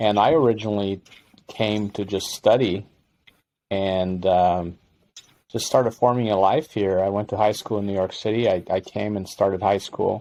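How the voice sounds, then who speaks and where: A man with a slight Brazilian accent, dark and mellow in tone, fairly low in pitch, with fairly even intonation at a moderate pace. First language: Portuguese. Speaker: entrepreneur, company CEO. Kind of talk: casual interview.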